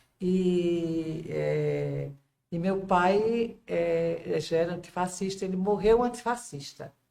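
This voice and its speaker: At a very slow pace, the voice carries a dark, mellow tone. Its pitch varies in an ordinary way. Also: woman, fairly low pitch for a woman. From Pernambuco, Brazilian Northeast. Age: 70s. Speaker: multi-artist. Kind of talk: interview.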